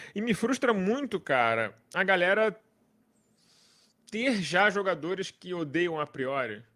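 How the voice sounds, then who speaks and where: A voice with a Brazilian accent, a bright, sharp tone and very wide pitch swings comes through in a very clean recording with a silent background. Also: man. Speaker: football fan channel host. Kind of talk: post-match football analysis monologue. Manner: animated, informal with hesitations.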